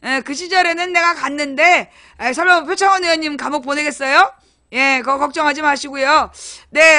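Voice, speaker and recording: A woman's voice: high voice, bright, forceful tone. A middle-aged woman hosting a casual political livestream, talking animatedly with many fillers and acting out quoted lines.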